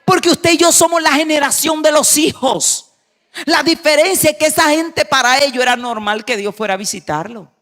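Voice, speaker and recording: A woman pastor preaching a sermon, emphatic, moving between hushed passages and raised, urgent lines. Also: high-pitched, moderate pace.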